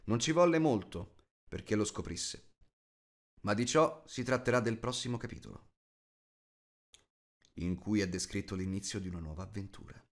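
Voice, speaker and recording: A man narrating a fantasy audiobook as a scripted, expressive storyteller. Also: lowish voice, moderate pace, long pauses.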